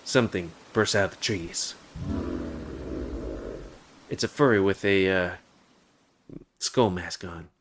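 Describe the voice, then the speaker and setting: Low-voiced man reading a game aloud. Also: takes it slowly, pauses often, a bit bright, slight background noise. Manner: casual, joking asides. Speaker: gamer. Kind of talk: let's play, reading game text aloud. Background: game music.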